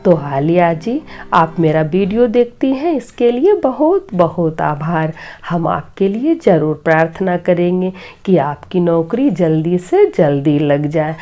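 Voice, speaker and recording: Middle-aged woman host, slightly hoarse, low mellow voice, slow earnest preaching, faint music under. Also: big pitch swings. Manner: earnest, preachy, gently advising. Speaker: devotional storyteller and channel host. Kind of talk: moral talk and devotional storytelling.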